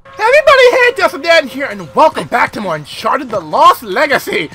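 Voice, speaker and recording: A young man with a lisp giving casual let's play commentary, excitable and swearing a lot. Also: very high voice, a little fast, faint music behind. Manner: excitable, swears constantly, self-deprecating. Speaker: gaming video host.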